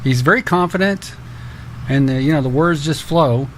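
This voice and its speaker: A man in his fifties co-hosting a casual podcast, animated and quick to laugh. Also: fairly high pitch, slight background noise. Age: 50s. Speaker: podcast co-host.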